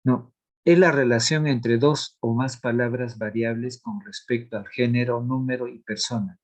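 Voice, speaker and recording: A man teaching a grammar lesson, explaining rules slowly and deliberately, reading out examples and checking in with the class. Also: mid-range voice, fairly even intonation. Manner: asks checking questions of the class.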